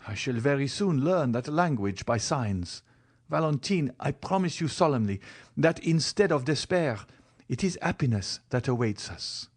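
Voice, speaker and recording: A man's voice: mid-range voice, lively intonation, moderate pace, few pauses, husky, voice pushed up. A man voicing an ardent young lover who speaks earnestly and fervently in an audiobook reading.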